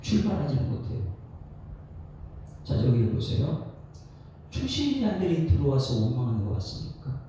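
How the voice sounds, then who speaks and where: A male pastor gives an animated dawn sermon and puts questions to his congregation, heard from a distant mic in an echoey church. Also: fairly high pitch, moderate pace, pauses often. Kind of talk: expository sermon at a dawn prayer service. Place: church sanctuary. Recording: echoey hall, distant mic, faint noise.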